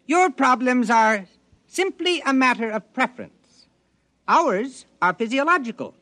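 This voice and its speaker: A calm, formal alien explorer. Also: male voice, very high voice, no echo, exaggerated voice. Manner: formal, precise, no contractions. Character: calm glowing alien explorer who eats rock. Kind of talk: 1950s radio drama acting.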